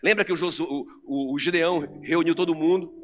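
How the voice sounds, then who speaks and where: A man with a Brazilian Portuguese accent preaching an animated sermon to a congregation in a church. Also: fairly high pitch, brisk. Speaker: pastor. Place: church sanctuary. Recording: long church reverb with music under.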